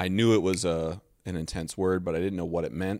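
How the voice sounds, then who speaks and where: A man with a Midwestern American accent speaks in a very deep, low pitch. His intonation stays fairly even. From Ohio, US Midwest. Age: 30s. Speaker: percussionist. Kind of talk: casual chat. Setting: studio.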